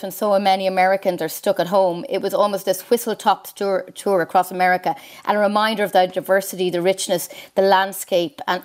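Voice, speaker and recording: A woman giving measured, articulate political analysis as a news correspondent in a conversational broadcast interview. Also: medium pitch.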